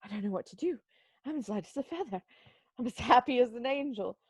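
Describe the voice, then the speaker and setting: A woman's voice: on the high side, expressive, fairly quick, breathy edge, no room sound. A woman playing an old male miser, giddily reformed and penitent, in an amateur dramatic reading full of exclamations. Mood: giddy joy. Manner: exclamatory, effusive.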